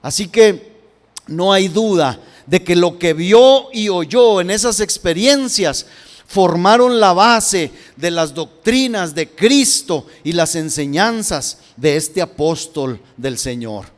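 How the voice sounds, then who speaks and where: A high-pitched man preaches slowly and deliberately, his words rising and falling as he presses each point on his congregation. His voice rings out through a church hall with a long, lingering reverb. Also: lively intonation. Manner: addresses listeners as brother, rising and falling emphasis. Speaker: pastor. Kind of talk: sermon.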